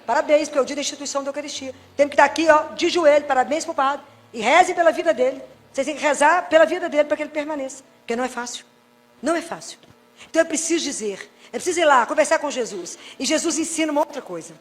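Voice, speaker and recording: A Brazilian woman with a Brazilian Portuguese accent, a Catholic preacher giving a sermon to a live congregation, lively and full of rhetorical questions to the audience. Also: high-pitched, very fast.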